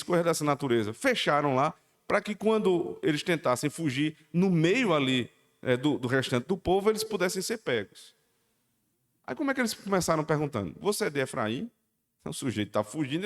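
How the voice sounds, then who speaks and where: A male pastor delivers an animated sermon, his somewhat high voice leaping into emphatic peaks and dropping into low asides. The pace keeps shifting between quick runs and slow, stressed words. His voice rings through a church hall with long reverb. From Northeast Brazil. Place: church sanctuary.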